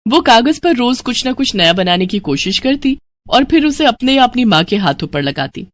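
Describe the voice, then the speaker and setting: A woman narrating a family storybook tale in an even storytelling manner. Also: on the high side, moderate pace.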